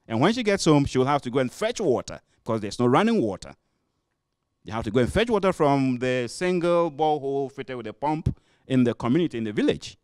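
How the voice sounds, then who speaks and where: A man from Ghana with a Ghanaian accent, giving a measured, step-by-step spoken comment from the audience at a panel discussion. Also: medium pitch, clean tone, dry recording, studio quality. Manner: measured, illustrative storytelling. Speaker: audience member. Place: conference room.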